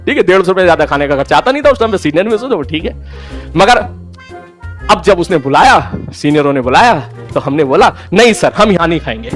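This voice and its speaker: High-voiced man telling a lively story. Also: fast, faint music behind. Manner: animated, acts out quoted dialogue; frequent 'bhai sahab' asides. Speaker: teacher. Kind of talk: storytelling anecdote.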